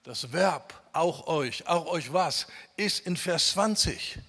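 A man preaching a sermon emphatically, asking rhetorical questions and swinging between loud and quiet. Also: fairly high pitch, expressive, takes it slowly, creaky, husky. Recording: long hall reverb.

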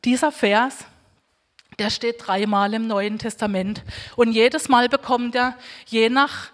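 A woman giving an earnest sermon, reading scripture aloud slowly and exhorting her listeners. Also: on the high side. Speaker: preacher. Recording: long hall reverb.

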